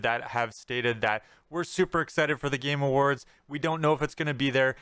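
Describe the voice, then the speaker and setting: A young man, slightly hoarse, talking casually and earnestly about gaming news as a channel host, repeating words for emphasis. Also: mid-range voice, pushed and bright, dry recording. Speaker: gaming YouTuber. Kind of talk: casual commentary on game news.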